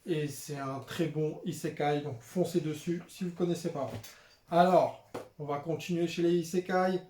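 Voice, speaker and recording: A young man talks casually to his viewers in a fairly high, mellow voice, filling pauses with hesitations. The room rings with a noticeable echo. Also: fairly even intonation, a little hiss or hum. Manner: chatty, with frequent "euh" and "voilà" fillers. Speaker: manga vlogger showing his purchases. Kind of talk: casual unscripted vlog chat. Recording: roomy echoey room.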